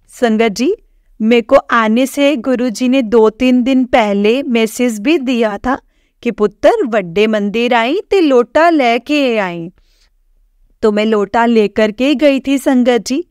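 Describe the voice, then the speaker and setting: A woman sharing a devotional testimony with a congregation, earnest and halting, with many fillers and restarts. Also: fairly high pitch, darkish tone, clean tone, dry recording, studio quality. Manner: earnest, keeps addressing listeners as "sangat ji".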